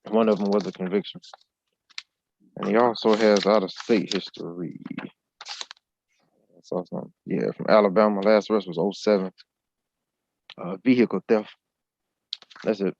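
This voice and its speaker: A man reads through court records in a flat, list-like recitation. His voice sits fairly low. It comes over a video call, and the audio sounds dull and lo-fi. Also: moderate pace, creaky, pauses often. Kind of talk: reading out records.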